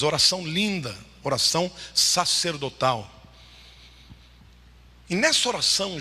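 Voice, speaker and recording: A man preaching a sermon, swinging between loud, high exclamations and low, hushed lines. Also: slightly rough, in a large hall.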